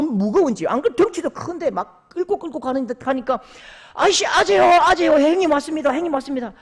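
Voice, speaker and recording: Male pastor, Gyeongsang accent, humorous storytelling sermon, very lively pitch. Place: church.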